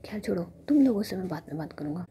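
Woman doing a stern male police inspector, bossy, whispery, dark tone. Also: fairly low pitch, expressive, fast, slight background noise. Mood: weary.

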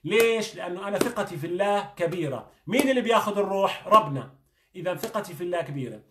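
A man's voice: high-pitched, lively intonation, fast, noisy background. A man, a doctor giving a motivational talk, earnest and coaching, firing questions at the listener. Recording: echoey room.

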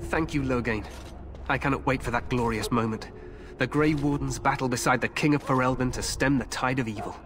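A man's voice: mid-range voice, steady tone, fairly quick, background noise, close to an everyday voice. An actor playing a proud, eager young king in a fantasy game, with a regal, grandiose manner. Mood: imperious, eager. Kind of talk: fantasy video game acting.

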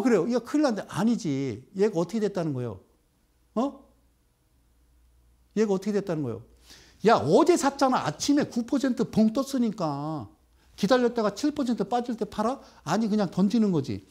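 A man's voice: high voice, a little mellow. A middle-aged man giving a live broadcast lecture on stock trading, bantering with viewers and firing off rhetorical questions.

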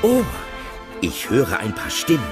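Man narrating a kids audio play, slow and very sing-songy, music under. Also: on the low side, huge pitch swings. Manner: chatty, wondering.

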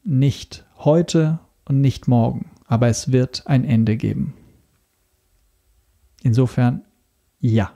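A man from Italy, talking casually as a podcast guest, hesitant and often pausing to search for words. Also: medium pitch, creaky, mellow. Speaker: podcast guest, radio drama maker.

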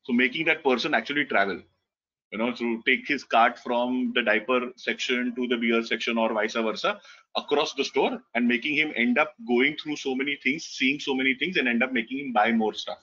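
A man's voice: mid-range voice, a little fast, bright, forceful tone. Man, 30s, Indian English accent, Gujarati native, webinar lecturer, filler-heavy, muffled call audio. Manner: conversational, many fillers and restarts. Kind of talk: online lecture. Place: indoor room, video call. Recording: slightly dull lo-fi call audio.

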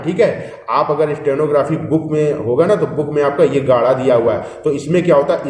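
A man's voice: fairly high pitch, darkish tone. A man teaching a shorthand class, explaining step by step and often checking that the students follow. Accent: Hindi. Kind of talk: classroom instruction. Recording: echoey room, voice from far off.

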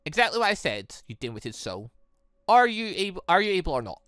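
A man voicing a bitter, resolute young fantasy woman in a measured, guarded way. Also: high-pitched, very animated, fairly bright tone, smooth, no echo, studio quality. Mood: cold, bitter.

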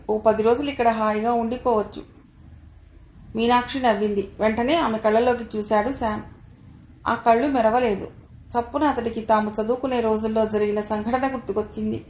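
A woman's voice: fairly high pitch, a little mellow. Woman narrating a story in an echoey room. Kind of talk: scripted audio story narration. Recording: roomy echo, faint background noise.

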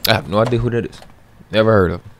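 A man's voice: fairly low pitch, rapid-fire, a little hiss or hum. A young man commenting on a video game as he plays it for the first time, incredulous and joking, talking back to the screen. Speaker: gamer. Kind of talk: blind let's play commentary.

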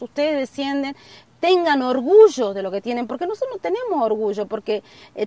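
A middle-aged woman gives an earnest outdoor interview, pausing on fillers as she works through her points. Her voice sits fairly high, and it is picked up from a bit of a distance in an open field. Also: darkish tone, no echo. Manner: earnest, gesturing, many fillers. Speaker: community member interviewed. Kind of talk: documentary interview. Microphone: camera at a distance.

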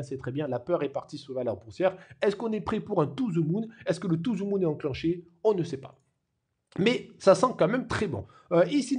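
Guy hyping crypto charts, husky voice, kinda high, jumps up loud then mumbles low. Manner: animated and jokey, swinging between excited highs and low mutters. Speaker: crypto market commentator. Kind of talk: casual market analysis vlog.

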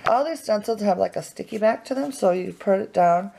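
A woman vlogger chatting excitedly at home as she unboxes craft supplies, with lots of fillers. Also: mid-range voice, brisk, gravelly, rough recording. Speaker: family vlogger. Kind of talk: casual unboxing chat. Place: home, indoors at a table.

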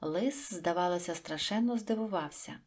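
Soft-spoken woman reading a children's audiobook. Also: fairly low pitch, moderate pace. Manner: soft, even storytelling. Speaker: narrator.

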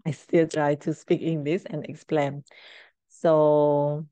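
A middle-aged woman with a Cambodian accent, a native Khmer speaker, teaching informally in halting, simple English. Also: sits low, flat delivery, mellow, dry recording. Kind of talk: informal screen-share language lesson.

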